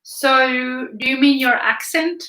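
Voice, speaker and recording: Woman, Finland Swedish accent, Swedish native speaker, casual live-stream chat, bright tone, echoey room. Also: high voice, fairly even intonation, slow pace. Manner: chatty, reads viewer comments aloud, frequent restarts. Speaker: art livestream host. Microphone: camera filming from above.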